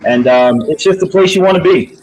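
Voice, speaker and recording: A man's voice: a little high, fairly quick, darkish tone, slight background noise, rough recording. Upbeat motivational man promoting an event. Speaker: boxing promoter. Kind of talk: casual promotional chat.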